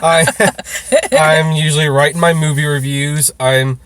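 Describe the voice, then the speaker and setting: A man with a slightly high voice talks as an interview guest. He tells stories in a casual, conversational way. His delivery is blunt, with wry joking. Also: level tone, a little slow, very noisy. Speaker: interview guest, film critic and author.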